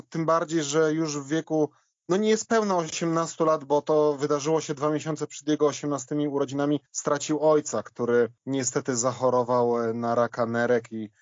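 A man with a somewhat high voice discusses sport off the cuff. He is hesitant, with many fillers. The sound is dry and a little muffled. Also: dry recording. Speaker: podcast panellist.

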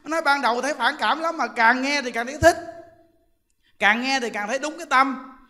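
High bright-voiced Southern Vietnamese monk. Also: male voice, brisk. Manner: chatty, joking storyteller who laughs often. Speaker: Buddhist monk teaching Dharma. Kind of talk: humorous Dharma talk. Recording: long hall reverb.

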